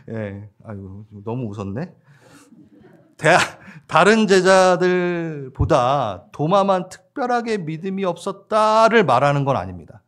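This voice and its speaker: Pastor guy preaching in church, voice jumps up and down a lot, kinda high. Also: slow. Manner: lively, laughs with the congregation, acts out disciples' voices. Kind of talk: sermon.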